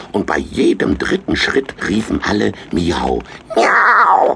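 A man speaks in an animated tone. There is noticeable background noise. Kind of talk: audiobook reading of a ghost story. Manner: slow, hushed, spooky storytelling; animated, voicing different characters.

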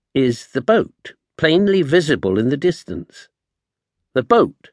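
Speaking at a very slow pace, a man lets his pitch swing very widely, with a dry, close sound and no echo. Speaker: audiobook narrator. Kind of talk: first-person memoir narration building suspense in a survival story. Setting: studio. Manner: tense, dramatic pacing with short clipped beats like 'Relief. Except not quite.'; wry, self-deprecating humour undercutting the peril.

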